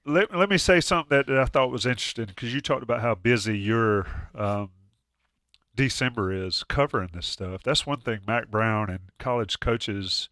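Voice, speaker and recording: A podcast host with a medium-pitched, slightly bright voice chats casually about sports at a normal speed, sounding stuffy from a cold. He jokes and restarts often. The recording is dry and studio-clean.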